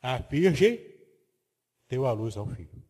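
A man teaching the Bible in a didactic way, his voice dark and husky. He explains each term step by step and checks that the listener follows. The sound carries a long reverb, as if recorded in a large hall. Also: medium pitch, sing-song, measured pace. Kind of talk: biblical teaching lecture with slides.

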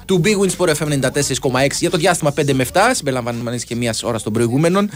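A man's voice: medium pitch, expressive, soft background music. A man co-hosting a sports radio show from a studio, teasing his partner in dry, ironic banter. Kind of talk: casual joking studio banter. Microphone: studio microphone.

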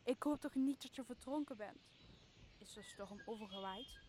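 A young woman playing a timid, excitable castaway, a loyal buddy, with nervous drama in a Shakespeare radio play. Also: fairly high pitch, normal speed, a little hiss or hum, lightly acted. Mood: relieved, excited. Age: young adult. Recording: clear outdoor nature sound behind voice.

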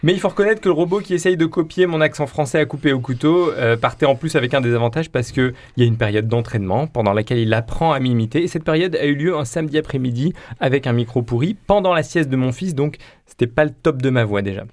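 A man's voice: mid-range voice, fast talker. A man presenting a casual radio chronicle, jokey and self-mocking with frequent laughs, into a studio microphone. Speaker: podcast columnist.

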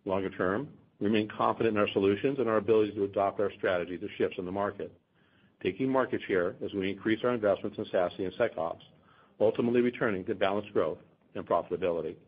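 A man with a fairly low, husky voice reads out prepared financial remarks on an earnings call. His delivery is formal and measured, and the audio is slightly dull, as from a conference line. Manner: formal, measured reading of figures. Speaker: company finance executive. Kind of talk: scripted earnings call presentation.

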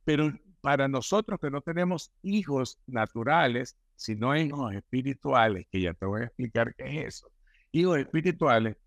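A male podcast guest, his voice on the high side and a bit bright with no room sound, joins a casual spiritual conversation. His storytelling is emphatic and repetitive.

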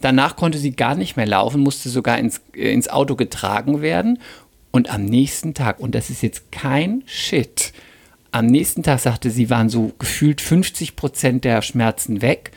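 A man chatting casually on a podcast, telling a lively anecdote and acting out the dialogue. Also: medium pitch, normal speed, vocal fry, breathy edge. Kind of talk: casual podcast chat, storytelling.

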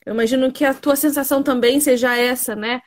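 A woman, an interviewer asking slow, reflective questions. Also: sits high, steady tone.

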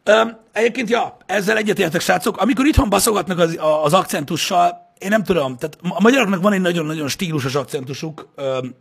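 A young man in casual chat, ranting, swearing and now and then shouting as he co-hosts. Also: high-pitched, vocal fry, few pauses, breathy edge.

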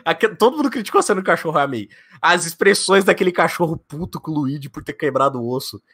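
A young man from Brazil, a podcast guest and video editor, talking in a fast, excitable way full of slang. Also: on the high side, husky, no room sound, studio quality. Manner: excitable and talkative, heavy slang. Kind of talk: casual podcast chat.

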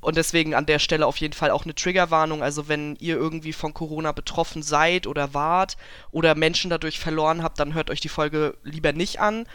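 Smooth-voiced young woman chatting casually. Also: deep voice, dry recording. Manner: relaxed, chatty, with frequent laughs. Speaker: podcast co-host. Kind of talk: casual podcast chat.

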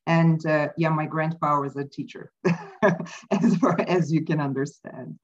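A woman whose first language is not English, speaking as an interview guest, thoughtful and halting with many fillers. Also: low-pitched, fairly even intonation, muffled recording. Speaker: podcast guest. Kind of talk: casual interview talk. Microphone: remote call mic.

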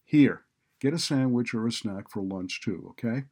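A man voicing a kind, considerate man in a story, gentle but insistent. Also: mid-range voice, expressive, moderate pace, breathy edge, voice pushed up. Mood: kind, urging. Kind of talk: audiobook character dialogue.

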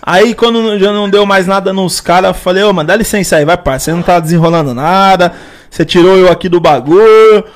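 A man's voice: high voice, brisk. A man joking around in a boisterous, slangy way. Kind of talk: casual storytelling chat.

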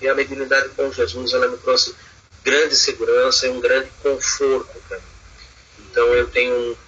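A man's voice: medium pitch, flat delivery, moderate pace, bright, forceful tone, slightly rough, dull audio. A man speaking earnestly as a guest in an online study group, hesitant with many fillers and restarts, over a video call.

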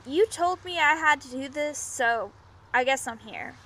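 Woman playing high-voiced, wry road-trip companion. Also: animated, a little slow, bright, forceful tone, heavily acted. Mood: wry, concerned. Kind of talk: naturalistic audio drama acting.

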